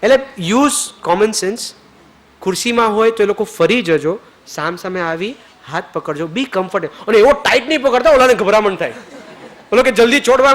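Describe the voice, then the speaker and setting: A man leading a retreat group through a forgiveness ritual, mixing English phrases into his talk, checking again and again that everyone is clear, and going soft and low when he leads prayer. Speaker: spiritual teacher leading a retreat.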